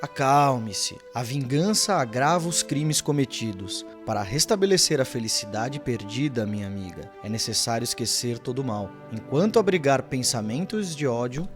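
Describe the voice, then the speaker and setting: An actor playing a kindly, calm spirit missionary who counsels gently and earnestly in a radio drama. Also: male voice, mid-range voice, close to an everyday voice. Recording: music bed behind the voice.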